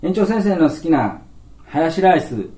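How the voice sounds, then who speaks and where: A man voicing bossy little kindergarten children in a high, loud Kansai accent. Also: big pitch swings, normal speed, echoey room. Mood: insistent.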